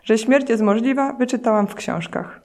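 A woman reading the lines of a quiet, matter-of-fact dead young woman in a book excerpt, in a plain, unhurried voice. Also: fairly high pitch, voice pushed up, lightly acted. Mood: calm.

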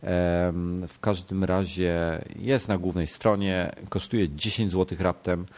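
Casting: male podcast host, low voice, nasal and congested from a cold, casual, stumbling delivery with repeats. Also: steady tone, slow pace, darkish tone. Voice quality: congested, blocked-nose voice. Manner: hesitant, self-correcting, repeats words. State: sick with a stuffed nose and fever.

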